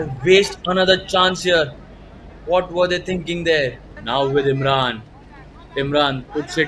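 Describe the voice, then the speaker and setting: Against crowd noise in the background, a man with a fairly high voice talks at a fairly slow pace with ordinary pitch variation and long, frequent pauses. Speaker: football commentator. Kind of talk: live football commentary, highlights voiceover.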